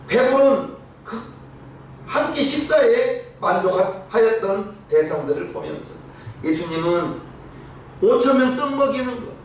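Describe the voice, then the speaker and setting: High-voiced preacher in a booming church. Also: male voice. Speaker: pastor. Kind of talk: sermon. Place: church sanctuary. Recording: very echoey church room, heard from a distance, faint hiss.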